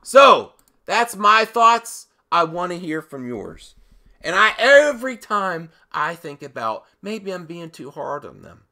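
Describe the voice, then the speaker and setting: Male commentary host, sharp and intense tone, unhurried delivery, punchy emphasis, opinionated rant style. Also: high-pitched, big pitch swings. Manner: emphatic, with dramatic pauses and repeated phrases. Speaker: host of a movie commentary channel.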